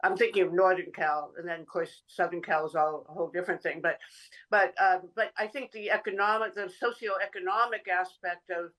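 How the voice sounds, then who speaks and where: A woman's voice: on the low side, fairly even intonation, a little fast, fairly bright tone, low-quality recording. Thoughtful woman podcast host from New England. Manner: thoughtful, searching for words with many "um"s. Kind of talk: conversational interview.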